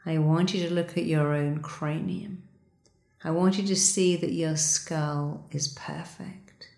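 A woman guides a relaxing meditation in a deep, low voice. She speaks slowly and gently, repeating her instructions. The recording has a noticeable roomy echo. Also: vocal fry. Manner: slow, soothing, repetitive instructions.

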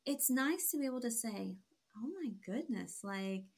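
A woman's voice: fairly high pitch, lively intonation, moderate pace, creaky, a little mellow. A woman in her forties co-hosting a casual podcast, teasing and upbeat and turning reflective. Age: 40s. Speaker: podcast co-host.

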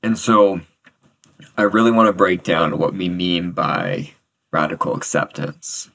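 A man with a very low, deep voice co-hosting a podcast. He teases his co-host playfully, then settles into calm, clear explanations. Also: a little slow. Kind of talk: casual podcast chat.

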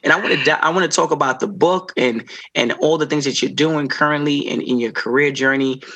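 A man's voice: fairly high pitch, brisk, pushed and bright, poor audio. A man hosting an interview podcast, asking questions in an encouraging, casual way with frequent affirming murmurs. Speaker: podcast host.

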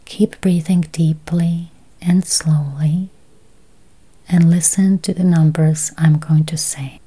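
Very slow, whispery woman guiding meditation. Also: fairly low pitch, fairly even intonation, mellow. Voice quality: breathy, whispery. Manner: slow, soothing, long pauses. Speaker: guided meditation host. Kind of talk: guided meditation, slow affirmations.

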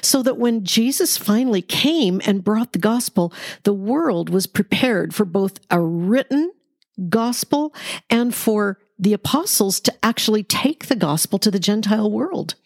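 A woman's voice: mid-range voice, expressive, measured pace, no room sound. Woman, mid-range voice, Bible study host, explanatory, emphatic, conversational teaching, dry acoustics.

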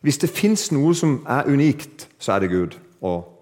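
A man's voice: mid-range voice, big pitch swings, darkish tone. Conversational male preacher with rising emphasis. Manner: conversational, asks the audience questions, builds to emphatic lifts; self-deprecating humor with laughs. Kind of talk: sermon.

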